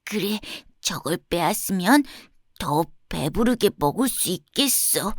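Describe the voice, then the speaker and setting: A woman voicing a small, greedy, childlike stray puppy in a storybook, with slow, exaggerated delivery. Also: on the low side, lively intonation, no room sound, clean studio sound. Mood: scheming.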